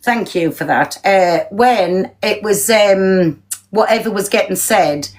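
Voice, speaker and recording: A woman's voice: mid-range voice, rough recording. A British woman ranting bluntly and swearing as she talks live to her viewers. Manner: blunt, sweary, fast-talking and confrontational. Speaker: TikTok live streamer. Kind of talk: ranting live stream chat.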